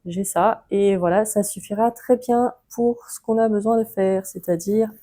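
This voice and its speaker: A woman's voice: mid-range voice, moderate pace, poor audio. A woman with a French accent, chatting casually through a book-crafting tutorial with frequent hesitations. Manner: relaxed, chatty, many hesitations.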